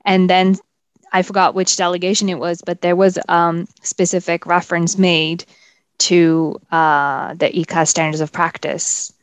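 A woman's voice: on the low side, flat delivery, measured pace, smooth, dry recording. A woman co-host from Pakistan talking in a casual panel discussion, hesitant with fillers and restarts. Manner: hesitant, many fillers and restarts, laughs often. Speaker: podcast co-host.

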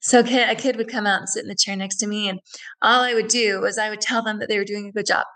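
A woman's voice: medium pitch, fairly even intonation, fast, pushed and bright, poor audio. Woman guest on a radio show, earnest and reflective, keeps repeating herself as she tells her story. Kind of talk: personal storytelling in a radio interview.

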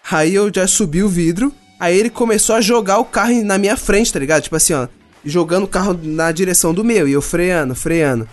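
With a high voice and a brisk delivery, a young Brazilian guy recounts a story in casual, profane, slangy conversation, playing the parts of the other people in it. Soft music plays behind him.

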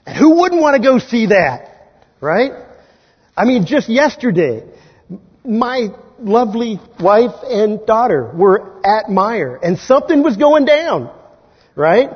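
A male pastor from Kansas preaching an Easter sermon in a conversational way, often checking in with listeners with a quick "right?". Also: high voice, big pitch swings, breathy edge, long reverb tail, lo-fi sound. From Kansas, USA. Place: large church sanctuary.

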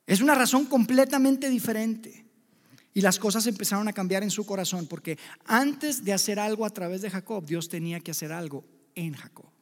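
Addressing his listeners directly as friends, a male preacher delivers a sermon in a high, gravelly voice. He swings between loud, emphatic bursts and hushed lines that are nearly whispered. A long reverb from a large hall colors the sound.

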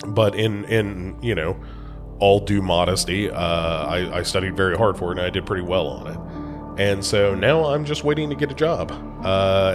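A man from the United States hosting a podcast, a bit congested from a cold, talking casually with lots of ums and restarts. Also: low voice. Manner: rambling, many fillers and restarts. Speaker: podcast host.

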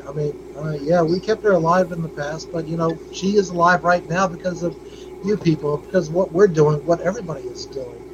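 A man speaking as a podcast guest, emotional and halting, on a dull, noisy recording. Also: fairly high pitch. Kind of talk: casual chat.

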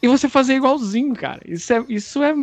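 A man's voice: very high voice, expressive, fast, no room sound. A man with a Brazilian Portuguese accent chatting casually on a podcast, slangy and emphatic. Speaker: podcast panelist, musician. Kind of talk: casual chat.

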